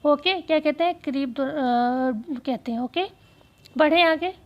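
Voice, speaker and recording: A woman teacher going through exam questions, speaking slowly and repeating key phrases so students can write them down. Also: high voice, lo-fi sound. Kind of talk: exam-prep lesson.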